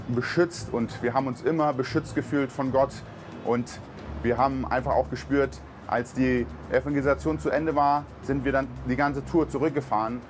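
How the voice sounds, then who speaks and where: A man from Berlin, a truck driver on a mission team, gives an earnest, heartfelt personal testimony with many fillers. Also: medium pitch. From Berlin, Germany. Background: music.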